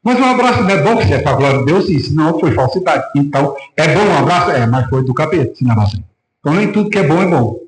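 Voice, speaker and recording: A Brazilian pastor in full preaching mode, his voice sitting a bit high for a man and carrying around a reverberant church room. He talks with energy and slips into the voices of the people he quotes. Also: big pitch swings, fast. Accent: Brazilian Portuguese. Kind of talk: sermon. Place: church hall.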